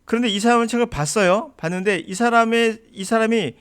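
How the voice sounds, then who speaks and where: A man's voice: high-pitched, a little fast, a bit bright, clear, resonant tone. A man teaching an English lesson in an emphatic, argumentative lecture style.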